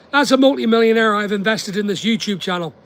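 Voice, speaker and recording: Animated in tone, a man talks with a Northern Irish accent. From Northern Ireland. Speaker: businessman and YouTuber. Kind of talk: live-stream chat answering viewer comments. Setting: live stream. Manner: animated, repetitive.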